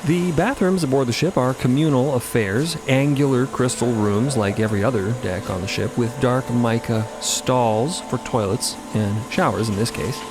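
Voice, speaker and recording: Mid-pitched man narrating fiction. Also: moderate pace, hardly any pauses. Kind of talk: scripted dramatic narration.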